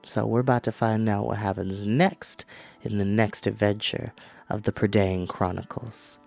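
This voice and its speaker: A man reading a fantasy novel aloud as an expressive storyteller. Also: lowish voice, normal speed, creaky. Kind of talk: expressive audiobook-style narration. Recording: music playing behind the voice. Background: background music.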